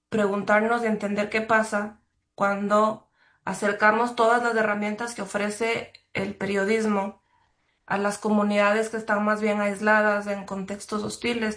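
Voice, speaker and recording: A woman's voice: medium pitch, fairly bright tone. Woman journalist from Ecuador, thoughtful interview answers, recorded in a roomy space. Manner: thoughtful, measured, with frequent fillers and restarts. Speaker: journalist guest. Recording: roomy echo.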